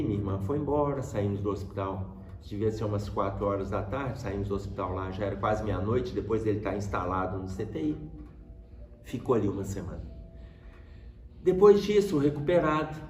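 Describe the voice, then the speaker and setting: A middle-aged Brazilian man with an accent, telling a personal story as a spiritist lecturer to a live audience in measured, drawn-out phrases. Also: on the low side, darkish tone, recorded from a distance. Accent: Brazilian Portuguese. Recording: echoey hall.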